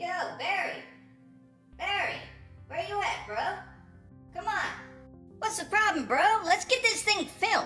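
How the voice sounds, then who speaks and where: A man puts on a character voice pitched extremely high, speaking at a moderate pace with long, frequent pauses while clear music plays in the background. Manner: brash, pushy.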